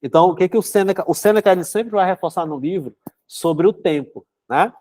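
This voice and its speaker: With a high-pitched, darkish voice that moves a little fast, this young São Luís book club host chats casually on a live stream and reads aloud, full of fillers and "né?". His nose runs from a cold, and the sound is dry and clean, like a studio.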